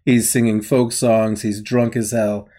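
A man's voice: on the low side, level tone, a little slow, mellow. Male co-host, casual and wry, laughs through his recap. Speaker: podcast co-host. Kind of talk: casual episode recap chat.

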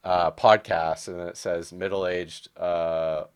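A man in his early thirties with a notably low voice, talking film in a relaxed conversational way. His phrasing is loose and informal, as in an unscripted podcast chat. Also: slow pace, smooth. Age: early 30s. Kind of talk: casual conversation about movies.

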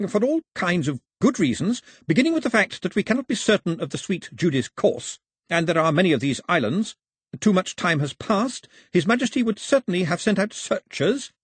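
An imperious gentleman in a seafaring storybook, played by a male narrator. He is formal, clipped and impatient, used to giving orders. His voice sits high and swings widely, with a husky edge. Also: big pitch swings, brisk, dry recording, clean studio sound, heavily acted. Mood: tense, grave.

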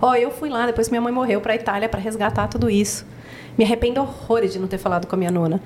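Brazilian woman podcast guest, fast and bright-voiced, spirited storyteller. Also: on the high side, a little hiss or hum. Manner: animated storyteller, acts out quotes. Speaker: podcast guest, project founder. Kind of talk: casual podcast chat.

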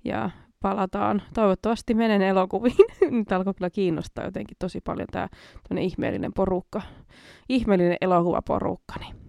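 A woman's voice: mid-range voice, creaky, warm tone, dry recording, clean studio sound. A woman hosting a casual late-night show, reading jokes aloud and giggling at the punchlines. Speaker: host reading listener jokes.

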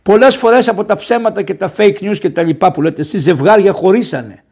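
Male priest from Greece, sermon, animated delivery with loud emphatic peaks. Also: sits high, creaky, slightly rough. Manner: lively, conversational preaching with sudden raised emphasis.

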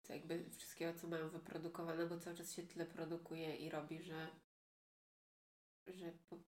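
A woman's voice: low-pitched, little pitch movement, normal speed, a little mellow. A woman podcast host talking casually, often trailing off and restarting her thoughts. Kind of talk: casual conversational interview. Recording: roomy echo.

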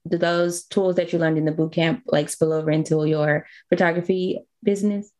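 A woman from Dallas, hosting a casual podcast interview in a relaxed, curious way. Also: fairly low pitch, normal speed. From Dallas, Texas. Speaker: podcast host.

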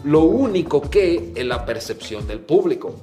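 A man from the Caribbean co-hosting a podcast, telling stories in an animated, slangy way. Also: fairly high pitch, a little slow. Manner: animated, slangy, acts out his own shouts. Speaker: podcast co-host. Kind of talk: casual storytelling chat. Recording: echoey room with faint music.

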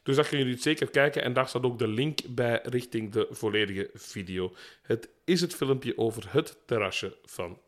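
A man hosting a podcast, explaining in a relaxed, casual way. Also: medium pitch, moderate pace. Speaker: podcast host.

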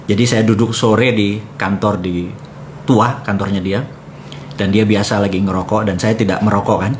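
A man's voice: fairly low pitch, a little hiss or hum. A man hosting a live talk, telling stories in a conversational way and speaking directly to his audience. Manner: conversational storyteller addressing the audience; animated when reenacting dialogue. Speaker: host of a live economics talk. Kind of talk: live motivational talk with storytelling.

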